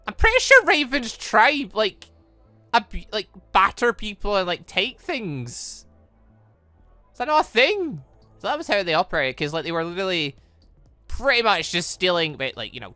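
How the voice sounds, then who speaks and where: A man gives casual, animated commentary over a game. His voice is a little high and swings widely in pitch as he reacts. Faint music plays behind his dry, close recording. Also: no room sound. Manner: animated, reacting and interjecting mid-reading. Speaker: gaming channel host. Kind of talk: casual let's-play commentary, reading visual novel dialogue aloud.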